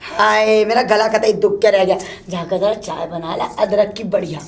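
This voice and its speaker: A woman's voice: steady tone, normal speed, lightly acted. A woman playing a scolding old mother-in-law who curses and complains nonstop. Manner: shrill, cursing, complaining nonstop. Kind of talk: solo comedy sketch.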